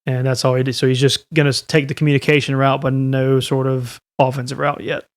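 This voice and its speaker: A man's voice: medium pitch, level tone, a little fast. Hesitant male game master. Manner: hesitant, thinking aloud. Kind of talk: improvised tabletop game narration.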